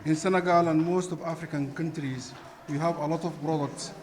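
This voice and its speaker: Man from sudan, higher pitch, halting speech, faint background noise. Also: fairly even intonation. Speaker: trainer interviewed. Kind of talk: interview answers.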